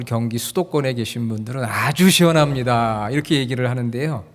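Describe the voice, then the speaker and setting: A male pastor giving a sermon in a church, friendly and joking as he quizzes the congregation. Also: medium pitch. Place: church sanctuary. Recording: long hall reverb.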